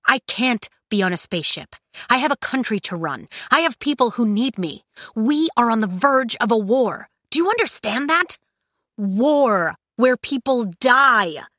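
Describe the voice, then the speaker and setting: A woman's voice: on the high side, sing-song, normal speed, bright, forceful tone, no echo, studio quality, voice pushed up, exaggerated voice. A woman voicing an indignant young male emperor in an audiobook, emphatic and exasperated. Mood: outraged. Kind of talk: audiobook character acting.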